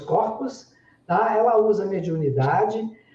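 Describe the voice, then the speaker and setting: A dark, mellow tone at a fairly slow pace. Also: man. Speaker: spiritualist author. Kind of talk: interview. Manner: informal conversational.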